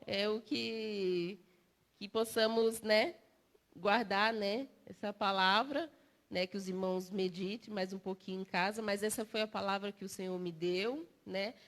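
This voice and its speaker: A Brazilian woman preaching to her congregation while tearful. Her voice sits at a middle pitch for a woman, and she builds her points through emotional repetition, calling out to the listeners again and again. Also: steady tone, a little slow. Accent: Brazilian Portuguese. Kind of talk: sermon.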